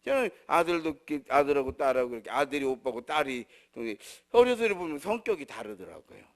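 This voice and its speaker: Man, pastor, sermon, high voice, very animated pitch. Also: brisk. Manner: animated preaching, from loud to soft and low.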